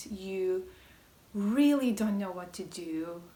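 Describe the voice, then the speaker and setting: Very slow, somewhat breathy speech from a woman at medium pitch, dark and mellow in tone, with ordinary pitch variation and audible room echo. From Turkey. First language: Turkish. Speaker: language learning vlogger. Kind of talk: casual talking-head vlog. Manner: casual with fillers.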